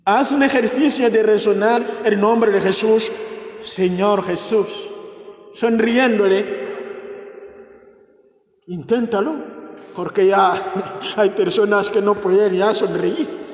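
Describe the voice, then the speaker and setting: A priest who is not a native speaker, with a first language other than Spanish, preaches a homily at a healing mass in an echoey church with long reverb. His high voice holds a steady tone at a slow pace with frequent pauses, as fervent, repeated invocations rise into exclamations.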